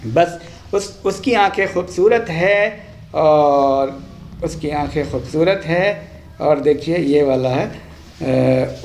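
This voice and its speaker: Slow-paced man teaching, echoey room. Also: fairly high pitch, creaky, darkish tone. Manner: deliberate, instructive, enunciating line by line. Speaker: language teacher. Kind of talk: lesson, reading practice sentences aloud for learners.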